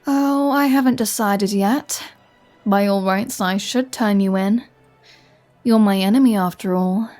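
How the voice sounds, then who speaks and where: A woman's voice: medium pitch, a little slow, a little mellow, faint music behind, close to an everyday voice. A woman playing a flirty, teasing vampire with a sarcastic, playfully threatening manner in a roleplay audio drama. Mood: menacing, amused. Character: flirty, teasing, menacing female vampire toying with a hunter.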